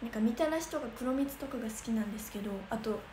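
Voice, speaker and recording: Young woman from kansai rambling on a livestream, kinda high voice, echoey room with noise. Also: quick pace, mellow. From Kansai region of Japan. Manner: chatty, bubbly, thinks aloud with many fillers. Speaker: idol livestreamer. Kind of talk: casual livestream chat reading comments.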